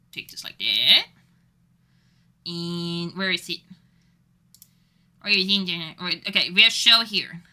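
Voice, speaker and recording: A woman talks at a fairly slow pace in a fairly low pitch. Her intonation is lively, with noticeable background noise behind her. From Norway. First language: Norwegian. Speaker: streamer and artist. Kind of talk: casual chat.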